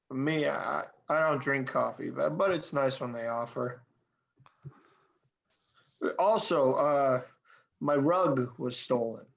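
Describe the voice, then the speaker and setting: Film table read: actor as laid-back, confused slacker, very unhurried, halting delivery, lo-fi recording. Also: male voice, medium pitch, gravelly. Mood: aggrieved, hesitant. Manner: halting, stammering, vague. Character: befuddled, laid-back, unemployed male slacker.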